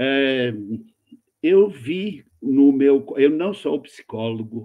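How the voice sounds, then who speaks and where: The pace is very slow. The intonation stays lively. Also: man, fairly high pitch for a man. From Netherlands. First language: Dutch (speaking Portuguese). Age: 80s+. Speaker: Franciscan friar and researcher. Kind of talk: conference talk.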